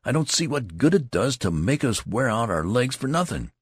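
A man's voice: mid-range voice, big pitch swings, moderate pace, husky, no echo, voice pushed up. A man reading aloud voices an impatient young soldier who complains in agitated outbursts. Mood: complaining.

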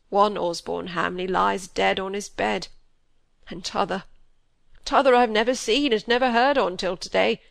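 A woman's voice: medium pitch, creaky, dry recording, clean studio sound. A woman doing a grieving old country squire. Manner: broken, sorrowful, rustic old dialect. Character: grief-stricken old country squire, gruff man. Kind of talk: audiobook character voice.

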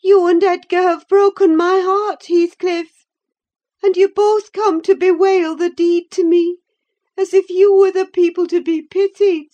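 A woman voicing a feverish, dying young woman who is bitter and vindictive, speaking in shrill anguished accusations. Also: steady tone, measured pace, mellow, muffled recording.

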